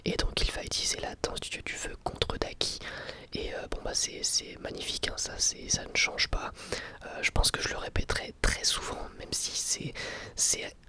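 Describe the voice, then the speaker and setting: An ASMR creator whispering a casual review, speaking haltingly in short phrases. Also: pushed and bright. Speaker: ASMR YouTuber reviewing anime.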